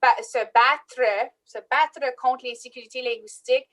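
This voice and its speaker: A woman's voice: sits high, fairly even intonation, a little slow, fairly bright tone. A woman moderating a casual panel discussion. She speaks emphatically and repeats her key phrases.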